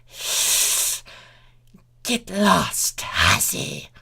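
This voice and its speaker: A reader acts out a scheming changeling queen from a comic pony story. The voice is raised high and swoops widely, theatrical and hissing. It slides between syrupy sweetness and menace. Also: huge pitch swings, very slow, gravelly, pushed and bright, breathy edge, heavily acted. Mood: hostile. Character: scheming villainous changeling queen, theatrically wicked, female insect-pony creature. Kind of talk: comic fan fiction reading.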